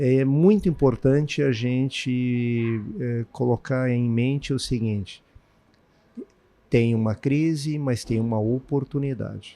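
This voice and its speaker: A man's dark, mellow voice at a medium pitch, very slow pace, and ordinary pitch variation. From southern Brazil, Santa Maria (Rio Grande do Sul). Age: 60s. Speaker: business owner, farm machinery dealer. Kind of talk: podcast interview. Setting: agricultural fair.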